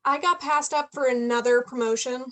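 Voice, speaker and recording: A woman plays a driven young female journalist in a contemporary stage play. Her voice is distinctly high. She speaks frankly to a close friend, ambitious and easily frustrated. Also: steady tone, normal speed, pushed and bright. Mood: frustrated, venting.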